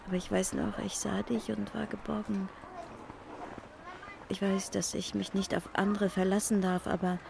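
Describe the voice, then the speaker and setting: Gravelly woman narrating over street noise. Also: medium pitch. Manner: intimate, addressing an absent person directly. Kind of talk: scripted literary first-person narration. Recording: loud street and traffic noise.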